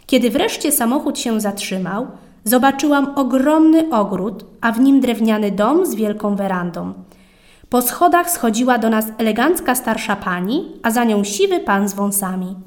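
A woman with a slightly high voice reads a children's story aloud. Her tone is calm and expressive, in the even rhythm of scripted storybook narration. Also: moderate pace.

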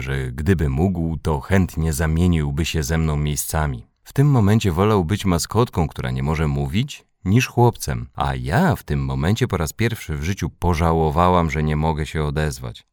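A man reading a children's story aloud with expressive narration. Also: a bass voice, normal speed, hardly any pauses, no echo, studio quality. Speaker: audiobook reader.

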